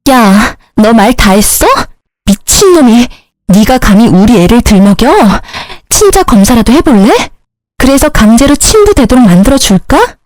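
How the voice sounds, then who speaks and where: A woman voicing a furious young mistress, a bitter single mother who shouts accusations. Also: on the high side, sing-song, moderate pace, dry recording.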